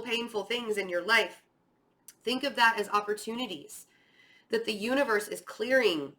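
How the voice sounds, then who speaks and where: A woman's voice: mid-range voice, fairly bright tone. A woman giving a casual, conversational tarot reading, chatty and rambling, encouraging and speaking straight to the listener, with a voice that is starting to tire. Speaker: tarot reader hosting an online reading.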